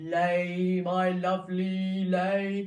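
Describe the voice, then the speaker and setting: A put-on character voice at middle pitch, monotone and flat. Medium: read story. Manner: booming, bossy.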